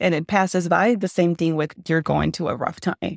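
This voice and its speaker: A woman speaks at a moderate pace with a Spanish accent, her pitch fairly low and her intonation fairly even. The recording is very clean, with a silent background and a dry, close sound free of echo. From Arizona-Mexico border (Nogales, Sonora and Arizona). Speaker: lifestyle and fitness coach. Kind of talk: interview.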